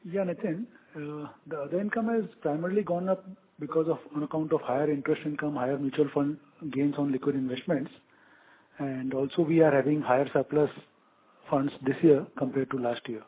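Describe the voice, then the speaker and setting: An Indian-accented man speaks as a finance executive, explaining figures concisely and formally. His voice sits slightly high, heard through a tinny phone connection. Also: steady tone, a little fast. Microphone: phone conference call. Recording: tinny narrow phone line.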